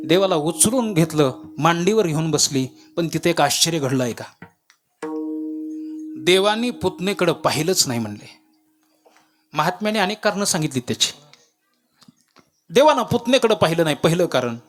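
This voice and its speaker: A male kirtan preacher from Latur, telling a devotional story in an animated way and acting out the characters. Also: high-pitched. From Latur, India.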